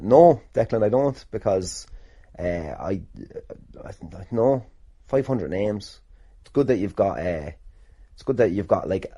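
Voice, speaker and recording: A man's voice: lowish voice, mellow, no room sound. A man hosting a casual solo podcast, rambling and sweary as he answers listener questions in a jokey way. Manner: rambling, sweary, jokingly boastful. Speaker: podcast host and wrestler.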